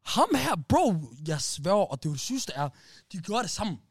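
A man's voice: high-pitched, no room sound, studio quality. A man hosting a casual podcast, telling a story with lots of restarts and like "bro", in phrases. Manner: animated storyteller, many restarts, slang like "bro" and "wallah". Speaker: podcast host.

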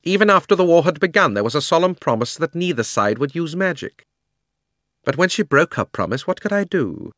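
A man's voice: fairly high pitch, very animated, fairly quick, fairly bright tone, no room sound, studio quality, pitched above the performer's own voice. A man voicing a proud, cruel and haughty queen of enormous height, speaking in an imperious, declamatory way.

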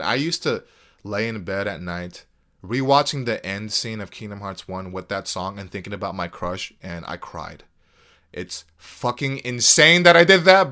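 A man's voice: mid-range voice, bright, forceful tone, clean tone. A man from the United States hosting a casual solo podcast, rambling and swearing freely. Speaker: podcast host.

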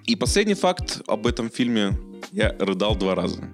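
A man with a fairly low voice hosts a casual podcast with faint music underneath. He reviews films in a jokey, conversational way and sometimes stumbles and restarts his words. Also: big pitch swings, normal speed. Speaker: podcast host. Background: background music.

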